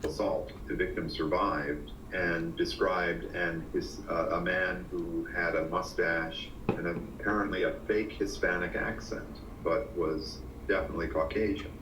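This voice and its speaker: A man speaking as an expert in a documentary, measured and factual. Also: low voice, flat delivery. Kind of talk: documentary interview. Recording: roomy recording with noise.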